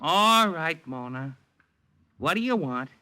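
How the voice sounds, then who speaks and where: An actor playing a nervous, fast-talking male Hollywood agent who narrates a 1950s radio drama, wheedling and excitable. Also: fairly high pitch, clean tone, full character voice. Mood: harried. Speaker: harried talent agent and narrator.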